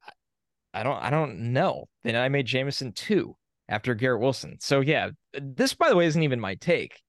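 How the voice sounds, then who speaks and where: A young adult man co-hosting a podcast in a casual sports chat. He sounds opinionated and reels off facts in a steady run. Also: mid-range voice, normal speed, no room sound, clean studio sound. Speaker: podcast co-host.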